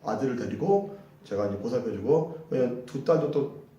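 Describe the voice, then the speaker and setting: A man's voice: medium pitch, expressive, normal speed, mellow, distant mic, dull audio. Man teaching English in an echoey hall. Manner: drills phrases, repeating them and cueing the class; chatty asides between drills. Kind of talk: classroom English lesson.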